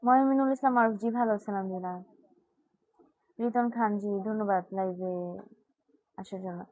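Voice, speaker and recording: A woman's voice: mid-range voice, fairly quick, darkish tone, no echo, low-quality recording. A teenage girl from Bangladesh hosting a live stream, chatting casually and answering viewer comments one by one. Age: teens.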